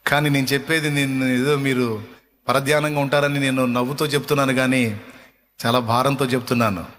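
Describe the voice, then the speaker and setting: A man's voice: medium pitch, a bit bright, a little hiss or hum. Man preaching in a reverberant hall. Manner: preaching with emphatic repetition, slowing for stress. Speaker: pastor. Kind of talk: sermon.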